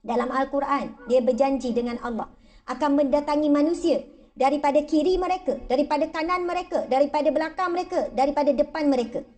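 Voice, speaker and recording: A woman religious teacher speaks to a gathered audience in a high, bright-toned voice. She is playful and conversational, often dropping into mock voices to act out her examples. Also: quick pace. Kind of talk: lively religious talk.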